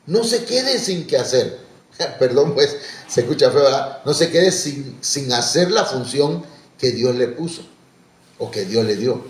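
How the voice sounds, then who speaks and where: A man preaches in a folksy, conversational way, telling stories with asides and restarts. His pitch is mid-range, and he lifts his voice when he urges the congregation to serve. The echoey church room rings around him. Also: lively intonation, a little slow. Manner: exhorting, rising on calls to serve. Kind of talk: conversational sermon.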